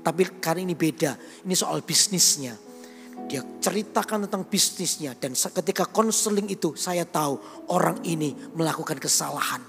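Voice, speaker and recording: A man's voice: a little high, moderate pace, gravelly. A male pastor preaching a sermon, telling a story with acted dialogue and calling out to his congregation. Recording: reverberant church hall with music.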